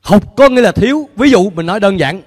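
A middle-aged man preaching a sermon as pastor on a church stage with a handheld mic, animated and putting questions to the congregation. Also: high-pitched, fast talker. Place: church stage before a large screen, indoors. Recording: long hall reverb in a large church.

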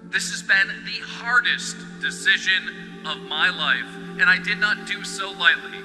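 A solemn American president in a game cutscene. He delivers his address very slowly and deliberately. His voice rings with long reverb over music. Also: high voice. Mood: solemn, grave. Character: grave male American president announcing defeat.

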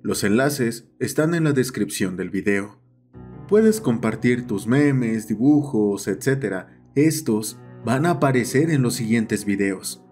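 Man, medium pitch, scripted storytelling, horror channel host, background music. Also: lively intonation, a little slow, darkish tone.

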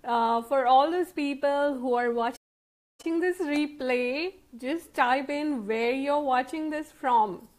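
Woman, live-stream host, casual chat, bubbly and chatty, slightly high voice, close phone mic. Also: slow pace, a little mellow. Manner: bubbly, chatty, greets viewers by name.

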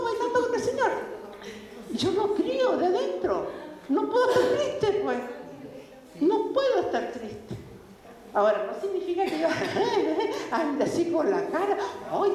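A woman, telling personal faith stories in an animated way, laughing often and acting out the people she quotes. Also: high-pitched. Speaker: speaker giving a faith testimony. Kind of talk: religious talk with personal stories. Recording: echoey hall with faint background noise.

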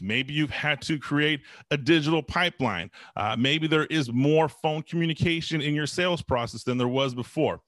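An American man in his forties giving a direct motivational sales talk to camera, emphatic and deliberate, repeating phrases for stress, on a close desk mic. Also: fairly high pitch, a bit bright, no echo. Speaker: host, sales coach. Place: small home office, indoors. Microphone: close desk microphone.

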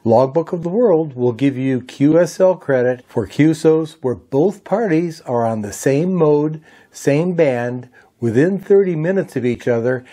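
A man's voice: fairly high pitch, expressive, a little slow, dark tone. Older American man giving a tutorial. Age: older, around 60s. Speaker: video tutorial presenter. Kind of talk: step-by-step software tutorial, conversational.

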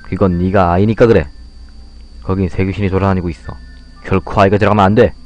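A man's voice: low voice, flat delivery, quick pace, a little mellow, faint music behind, lightly acted. A man voicing a stern older relative who speaks in solemn warnings over a game.

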